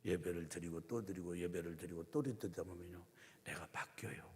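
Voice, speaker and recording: Low voiced pastor guy preaching casual, asks the crowd stuff, acts out quotes, long church echo. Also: a little fast, warm tone. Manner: conversational, asks the congregation questions. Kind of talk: sermon. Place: church sanctuary.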